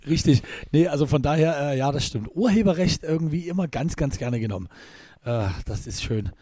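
A man co-hosting a podcast in casual chat, with a slightly husky voice, rambling with many restarts and fillers. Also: fairly high pitch, animated, brisk, dark tone, no echo, clean studio sound. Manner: rambling, restarts often with filler sounds, chuckles. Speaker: podcast co-host and DJ.

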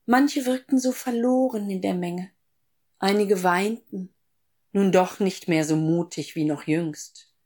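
Radio play narrator role: dutiful, devout motherly woman, mid-range, slow and reflective. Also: mid-range voice, a little mellow. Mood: troubled, pitying. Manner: reflective, measured. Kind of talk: first-person radio play monologue.

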